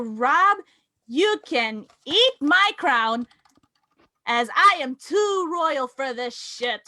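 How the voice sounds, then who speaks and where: A woman playing an arrogant, combative royal prince wrestler in a staged promo reading, pompous and measured. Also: high voice, bright, forceful tone, dry recording, full character voice. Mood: defiant. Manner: pompous, measured trash talk.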